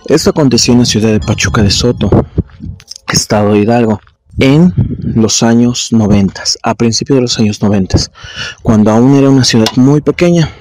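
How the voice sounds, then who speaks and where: A man telling a guest story to the show's audience in a formal, unhurried way. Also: medium pitch, a little mellow, dry recording, rough recording.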